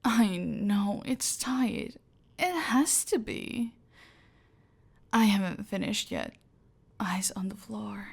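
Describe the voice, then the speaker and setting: A domineering female cartel boss, played by a woman, hands out orders in a slow, unhurried drawl that often drops to a whisper. Her voice carries a gravelly edge, and every word is measured and controlling. It sits in an ASMR roleplay. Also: mid-range voice, animated, heavily acted. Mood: silky, menacing.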